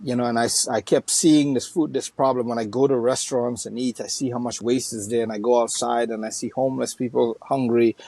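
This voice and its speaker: A man's voice: medium pitch, steady tone, a little fast, few pauses, darkish tone, no room sound. A middle-aged man from Trinidad and Tobago, a nonprofit founder speaking as a guest in a casual interview, with many fillers and restarts.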